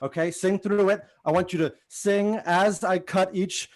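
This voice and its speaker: A man's voice: high voice, steady tone, a little slow, a little mellow. A man playing an earnest, hesitant surgeon in improvised comedy, speaking matter-of-factly. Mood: earnest, clinical. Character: earnest, halting surgeon calmly planning absurd operation.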